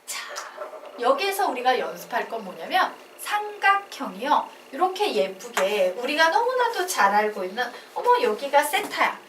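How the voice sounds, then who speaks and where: A woman teacher lectures on math with a bright voice that swings up and down. She keeps drilling her students with call-and-response questions. She sounds roomy and a little distant, with faint noise behind her. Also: high-pitched, sing-song, normal speed. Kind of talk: classroom lecture. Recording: echoey classroom, mic at a distance.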